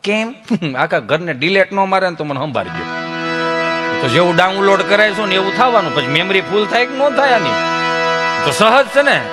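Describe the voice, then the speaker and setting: A man with a Kathiawadi Gujarati accent, a folk comedian telling funny stories on stage, joking and animated as he imitates the people he quotes. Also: sits high, brisk, over loud music. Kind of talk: stage storytelling at a dayro.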